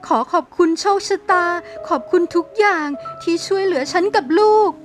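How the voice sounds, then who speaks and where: Woman as poor kind mother, high-pitched, gentle, polite, humble, cartoon drama, faint music. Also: animated, moderate pace. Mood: grateful. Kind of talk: cartoon story voice acting.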